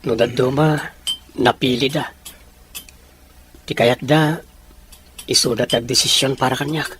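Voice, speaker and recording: A man's voice: medium pitch, fairly even intonation, unhurried, a bit bright, slight background noise, lightly acted. A man playing an earnest, dutiful young man in an audio drama, speaking in a polite, placating way. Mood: apologetic, serious.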